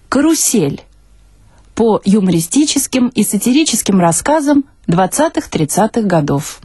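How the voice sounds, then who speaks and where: A woman's voice: mid-range voice, darkish tone, breathy edge, dry recording. A woman announcing a radio programme, reading a scripted introduction.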